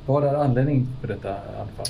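A man's voice: medium pitch, vocal fry, narrow, tinny audio, slight background noise. A man playing a tabletop game in character, persistent and argumentative. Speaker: player.

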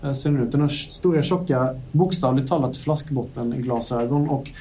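A man narrating as game master of a tabletop game, in a relaxed way with many fillers. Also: mid-range voice, distant mic, a little hiss or hum.

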